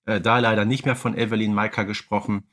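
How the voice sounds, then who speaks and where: A man's voice: fairly low pitch, level tone, fast talker, a bit bright. Conversational man co-hosting a podcast. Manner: conversational, often adds check-in tag questions. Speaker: podcast co-host. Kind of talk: casual chat about audio dramas.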